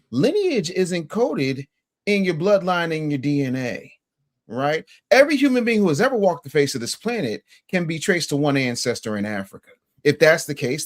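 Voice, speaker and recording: Animated, emphatic man making his case. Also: a little high. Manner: emphatic, argumentative, lecturing with rhetorical questions. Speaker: podcast panelist. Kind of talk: heated panel discussion.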